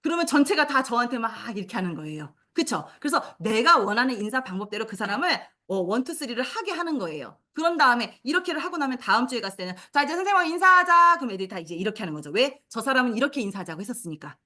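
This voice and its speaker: Lively fast-talking woman lecturing teachers. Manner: animated, acts out classroom commands in a high sing-song teacher voice. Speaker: teacher trainer.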